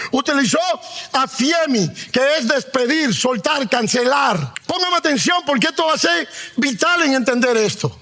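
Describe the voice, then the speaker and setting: High-voiced man preaching a sermon. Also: sharp tone. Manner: calls the congregation to repeat after him; emphatic, drawn-out stressed words. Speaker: pastor.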